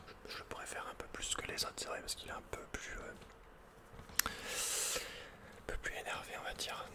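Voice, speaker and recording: A man whispering unhurriedly as he thinks aloud, hosting an ASMR video game playthrough. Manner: whispering throughout. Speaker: ASMR gamer host.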